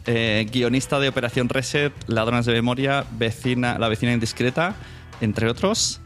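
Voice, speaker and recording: A man's voice: medium pitch, normal speed, a bit bright, soft background music. A man hosting a podcast, presenting and interviewing casually in a rambling, self-correcting way. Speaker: podcast host.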